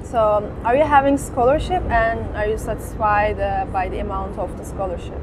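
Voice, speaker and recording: Woman interviewer with halting English. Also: mid-range voice, steady tone, background noise. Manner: short questions in imperfect English. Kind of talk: interview questions.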